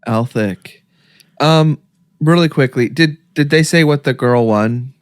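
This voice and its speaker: A man's voice: a little high, no room sound. Man cracking dry quips as co-host. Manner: dry quips and quick questions. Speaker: podcast co-host. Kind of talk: casual chat.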